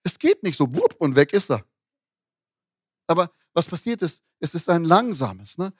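A man's voice: a little high, very animated, moderate pace, husky, dry recording, clean studio sound. A man preaching a sermon in a conversational way, with frequent restarts and tag questions. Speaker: pastor.

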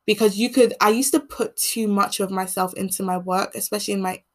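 A young woman from England hosting a podcast, speaking in an earnest, measured monologue, with a voice that turns croaky as she keeps talking. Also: medium pitch, fairly even intonation. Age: teens. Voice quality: croaky voice when speaking long. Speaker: podcast host. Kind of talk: reflective solo monologue.

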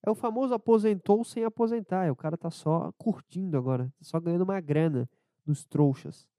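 A man with a southern Brazilian accent rambling casually as a solo podcast host, low-energy and irreverent, hungover and under the weather with a cold. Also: brisk, warm tone, clean tone, dry recording, studio quality. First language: Portuguese. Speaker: podcast host and amateur comedian.

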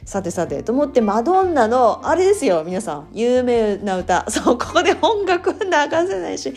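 A woman's voice: high-pitched, very animated, normal speed, a little mellow, faint music behind. A woman from Japan explaining English sounds in a chatty, casual way, laughing often and sounding out words. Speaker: English pronunciation podcaster.

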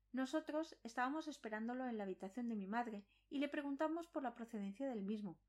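A woman reading a scripted first-person supernatural horror story as a dramatic narration. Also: a little high.

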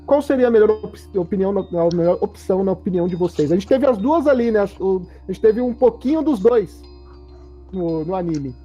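Husky, animated woman hosting a stream. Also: mid-range voice, a little fast. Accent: Brazilian Portuguese. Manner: lively, reads viewer comments aloud. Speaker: host. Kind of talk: casual livestream chat. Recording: dull lo-fi stream audio with faint music.

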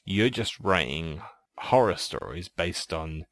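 A man interviewing guests in a comedy sketch, animated and often laughing. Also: deep voice, slow, no echo.

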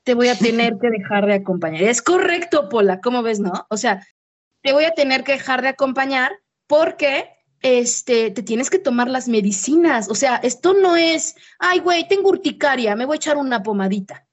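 Mexican woman, podcast host, high voice, slangy and playful. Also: moderate pace. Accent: Mexican Spanish. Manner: slangy, playful, swings into lively voiced quotes. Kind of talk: casual podcast chat.

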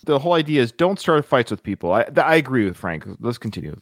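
A man's voice: medium pitch, sing-song, quick pace, very noisy. A man hosting a podcast, joking and incredulous, laughing often as he comments. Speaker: podcast host.

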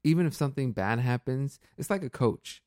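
A man's voice: mid-range voice, expressive, a little fast, darkish tone, no room sound, clean studio sound. A man hosting a podcast in casual, reflective chat, thinking aloud earnestly with many fillers and restarts. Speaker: podcast host.

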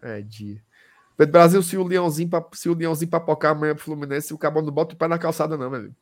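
A man hosting a casual sports chat, speaking. His voice sits fairly high and he talks in a lively way, laughing often and using a lot of regional slang. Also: rapid-fire. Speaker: host.

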